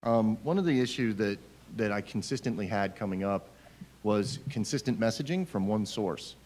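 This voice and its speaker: A man's voice: on the low side, animated, moderate pace, a little mellow, a little hiss or hum. A middle-aged man asking questions as a board member at a public meeting, speaking into a table microphone in a large room. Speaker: school board vice chair. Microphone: table gooseneck or stand microphone.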